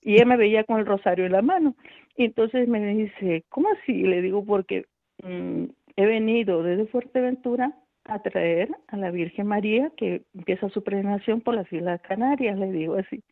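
A woman's voice: mid-range voice, moderate pace, no room sound. A middle-aged woman, a radio volunteer, tells a personal story over the phone. She speaks with feeling, calls herself a nervous person, and acts out the voices of the people she quotes. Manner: self-described nervous, anxious speaker. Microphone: telephone. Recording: tinny dry phone line.

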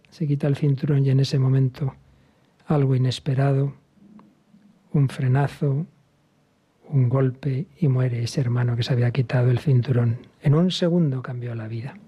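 A man from Spain preaching a sermon as a priest, speaking earnestly and emphatically and sometimes dropping to a hushed whisper. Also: medium pitch, breathy edge, muffled recording. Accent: Spain Spanish.

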